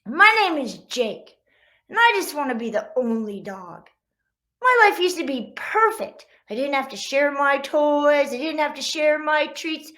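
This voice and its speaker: A whiny, jealous big-brother dog from a children's storybook, acted out by a woman reading aloud. The voice is high and bright, grumbling about life with younger siblings. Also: lively intonation, unhurried. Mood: wistful, boastful.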